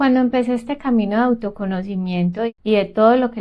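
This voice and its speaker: The woman speaking keeps her intonation fairly even. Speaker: personal growth podcaster. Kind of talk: reflective monologue. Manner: slow; soft-spoken.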